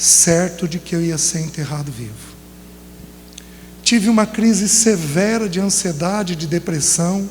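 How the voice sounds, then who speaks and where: At a fairly slow pace with long, frequent pauses, the speaker uses ordinary pitch variation, with audible room echo and noticeable background noise. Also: man, high pitch for a man. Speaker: preacher. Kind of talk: sermon. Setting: women's retreat, audience.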